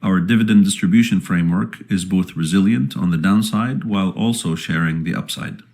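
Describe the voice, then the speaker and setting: A man speaking as a company executive, reading a scripted earnings presentation in a formal, measured manner. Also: low-pitched, a little mellow.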